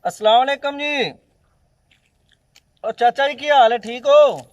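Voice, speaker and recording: A man with a Pakistani Punjabi accent playing a bossy, impatient village man in an amateur drama, loudly talking over the others. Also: very high voice, a little slow, dry recording. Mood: insistent.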